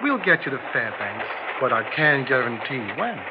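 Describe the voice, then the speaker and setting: An actor playing an easygoing, folksy train conductor with a wry manner, in an old drama. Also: male voice, mid-range voice, big pitch swings, normal speed, close to an everyday voice. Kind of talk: old broadcast drama acting. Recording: muffled, noisy old drama soundtrack.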